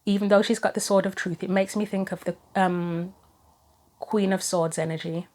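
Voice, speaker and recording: A woman giving a chatty solo tarot reading and reading guidebook passages aloud, her voice going hoarse. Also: medium pitch, fairly even intonation, normal speed, darkish tone. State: losing her voice, throat going. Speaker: tarot reader.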